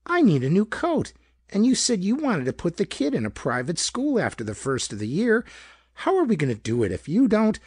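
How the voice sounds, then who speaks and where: A man's voice: high voice, wildly swooping pitch, normal speed, a little mellow, husky, no echo, studio quality, pitched above the performer's own voice, exaggerated voice. A man voicing a nagging wife with a reedy, querulous whine and slangy, pushy talk, in a pulp detective story. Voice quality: reedy, whining. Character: nagging, whiny dyed-blonde wife, querulous.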